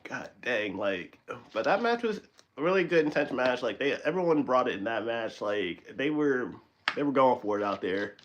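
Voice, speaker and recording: A man hosting a live stream in casual chat, animated and rambling, often correcting himself and laughing. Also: medium pitch, normal speed, a little hiss or hum.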